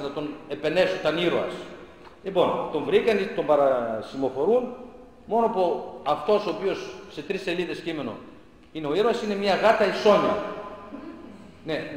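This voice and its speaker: Male teacher, fiery public lecture, sarcastic and indignant, high voice, heavily reverberant hall recording. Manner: indignant, sarcastic, rhetorical questions. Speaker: schoolteacher giving a public talk. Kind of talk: impassioned lecture. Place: large hall of a church centre. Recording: very echoey hall with long reverb.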